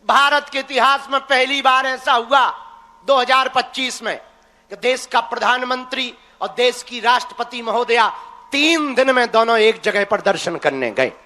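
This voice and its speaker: A man's voice: extremely high pitch, normal speed, bright, forceful tone. A young man preaching live to a crowd, teasing and folksy as he exhorts his listeners. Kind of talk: live religious discourse to a crowd. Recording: echoey hall reverb.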